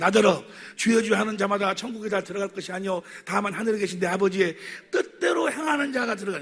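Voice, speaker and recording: A man with a high pitch speaks at a very fast pace with ordinary pitch variation. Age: 60s. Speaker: pastor. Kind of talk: sermon.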